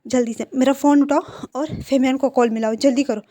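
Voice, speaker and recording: A woman voicing a middle-aged aunt who gives quick orders and comforts a crying boy. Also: sits high, steady tone, warm tone, no echo. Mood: urgent. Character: caring middle-aged aunt, brisk and soothing.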